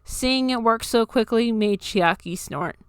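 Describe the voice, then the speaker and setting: A woman's voice: fairly high pitch, a little slow, clear, resonant tone, dry recording, studio quality. A woman reading a scripted story aloud as its narrator. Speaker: narrator reading own fan fiction.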